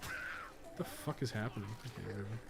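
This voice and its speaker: A man's voice: on the low side, a little fast, gravelly. Man casually rambling over noisy stream audio. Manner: blunt, heavily profane; rambling, thinking aloud while playing. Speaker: gaming live streamer. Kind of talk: casual game stream commentary and chat. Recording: noticeable background noise.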